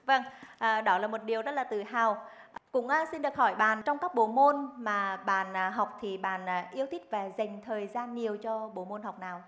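A woman's voice: mid-range voice, moderate pace, a bit bright. A young woman hosting a game show, reading quiz questions in a formal, articulate way into a headset microphone. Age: young adult. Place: TV studio stage.

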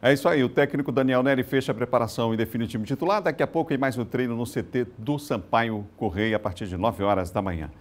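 A man presenting a regional morning TV news bulletin with a brisk announcer delivery and a Brazilian accent from Maranhão. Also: mid-range voice. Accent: Brazilian Portuguese, Maranhão. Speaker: news anchor.

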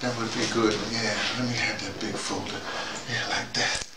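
A middle-aged American man giving a rambling, casual monologue to camera, halting and repeating words as he digresses. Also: lowish voice, steady tone. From North America. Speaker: host of a personal video dispatch. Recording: echoey room, distant mic, noisy background.

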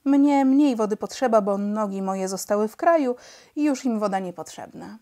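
A calm male pilot with no legs, wry and matter-of-fact, trading dry jokes, as a woman reads his lines in a storybook. He talks a little higher and louder than the narration around him. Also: normal speed, close to an everyday voice. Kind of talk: storybook reading.

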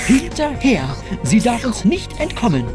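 A man's voice: extremely high pitch, wildly swooping pitch, measured pace, exaggerated voice. Guy acting as prim pedantic robot butler in a comedy radio play, swoopy intonation, music behind. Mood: eager. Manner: formal, deferential, pedantic. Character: fussy, literal-minded male android servant robot. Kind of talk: comedy audio drama acting.

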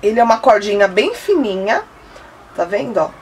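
A woman with a medium-pitched, very animated voice chats enthusiastically at normal speed about decor items she bought, holding each one up to the camera in a casual product haul. She's seated indoors at home, and the mic sounds slightly distant with a faint hiss.

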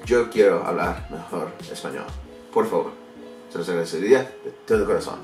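A lively man in his thirties talks straight to camera at home, gesturing as he goes and often stopping to hunt for the right word in a language that is not his first. His voice sits at an ordinary pitch and bounces around an echoey room. He is heard a little off-mic, with faint music underneath. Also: a little fast, distant mic. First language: English. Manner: animated, gestures a lot, searches for words and restarts. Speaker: vlogger. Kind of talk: casual vlog to camera. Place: bedroom or home office, indoors.

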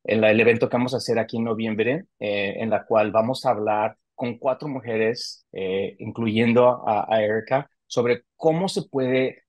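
A man's voice: fairly low pitch, steady tone, moderate pace, hardly any pauses, darkish tone, no echo. A man, hosting a casual interview over a video call and talking with many hesitations and restarts. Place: home office on a video call.

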